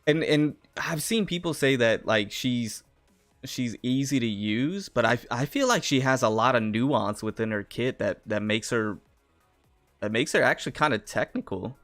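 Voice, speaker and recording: A man's voice: mid-range voice, animated, normal speed, fairly bright tone, faint music behind. A man on a gaming livestream, talking emphatically and laughing easily. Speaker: streamer guest. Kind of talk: casual gaming livestream chat.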